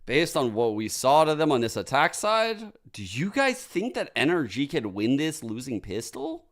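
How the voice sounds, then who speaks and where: A man's voice: mid-range voice, very animated, moderate pace. A man co-streaming an esports match with casual, blunt, slangy and sweary commentary.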